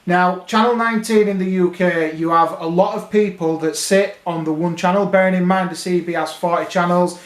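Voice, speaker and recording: A man's voice: sits high, steady tone, moderate pace, few pauses. A British man talking casually to viewers, explaining things as a radio hobby vlogger. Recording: roomy, echoing indoor sound.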